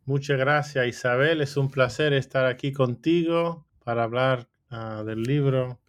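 A man, a professor and author, answering interview questions with hesitant pauses and restarts. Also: medium pitch, fairly even intonation. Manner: hesitant, many fillers and restarts.

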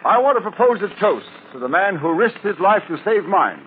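Genial moneyed older studio boss in a 1940s radio play, raised pitch, narrow old-broadcast sound. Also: male voice, very animated, brisk. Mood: hearty, grateful. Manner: hearty, genial, expansive. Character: genial older wealthy male movie producer, grateful host. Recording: narrow-band old radio, faint noise.

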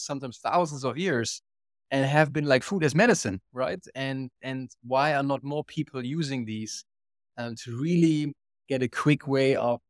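German-accented man, earnest and halting. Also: medium pitch, no room sound, clean studio sound. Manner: earnest, many restarts and repeated words. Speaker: guest, company co-founder and CEO. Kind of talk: casual interview chat.

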